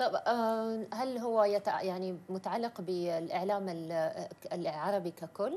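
The speaker talks at a very slow pace with long, frequent pauses. Pitch variation is ordinary. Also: woman. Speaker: TV talk show host. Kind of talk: TV interview. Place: studio. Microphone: lapel.

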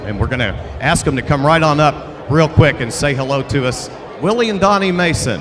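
Over noticeable background noise, a man speaks at a fairly quick pace with lively intonation. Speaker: stadium announcer. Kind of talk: live event announcing, opening ceremonies emcee. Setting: stage with audience, PA system at racetrack. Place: stage.

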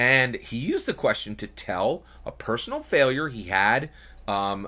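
A man speaks in an animated tone that is also bright and sharp. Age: 40s. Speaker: political commentary youtuber. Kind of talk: solo video commentary. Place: home room. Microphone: lapel.

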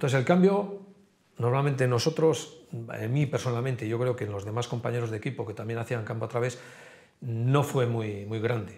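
A man talks at a moderate pace and medium pitch, with ordinary pitch variation. His voice is somewhat breathy. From León province, Spain. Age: 50s. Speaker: retired marathon runner; athletics coach guest. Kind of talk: interview. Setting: tv studio. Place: studio. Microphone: lapel.

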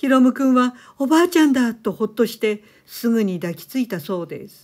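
At a moderate pace, a woman talks with very wide swings in pitch. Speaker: ghost story narrator. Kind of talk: ghost story narration, reading aloud a true-story account. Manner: polite, formal.

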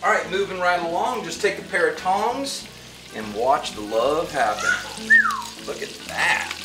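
A man's speech unfolds fairly slowly. Music is heard behind him. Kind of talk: casual cooking tutorial. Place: kitchen. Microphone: camera far.

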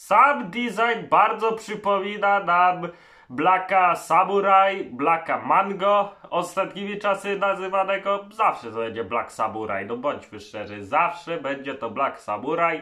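Very slow and full of lively intonation, a man's voice comes across with a bright, sharp tone. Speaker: energy drink reviewer, YouTuber. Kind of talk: casual review. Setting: home, at his bed. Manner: casual, chatty, uses profanity.

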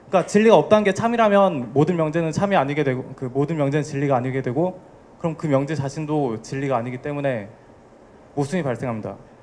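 Lively in intonation, a man talks at a very fast pace and a fairly high pitch. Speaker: university student; audience member. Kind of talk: audience question. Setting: auditorium audience mic. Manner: halting, apologetic. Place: hall. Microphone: handheld.

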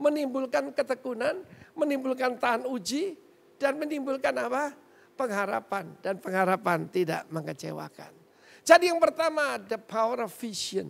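A man speaks at an extremely high pitch. His pace is moderate and his intonation lively. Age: 70s. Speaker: pastor. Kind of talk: sermon. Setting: church livestream. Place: church. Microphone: handheld.

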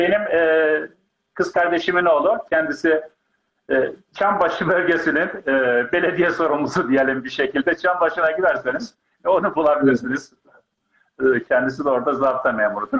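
Against a quiet background, a man with a high pitch speaks at a moderate pace, his loudness swinging widely and his speech broken by long, frequent pauses. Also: ordinary pitch variation. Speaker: online group host. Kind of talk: interview chat. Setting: live stream. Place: home room. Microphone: video call.

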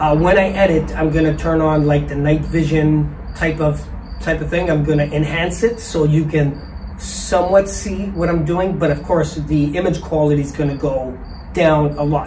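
There is noticeable background noise. Through it, a man speaks at a moderate pace. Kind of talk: casual vlog chat. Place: garden. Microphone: camera far.

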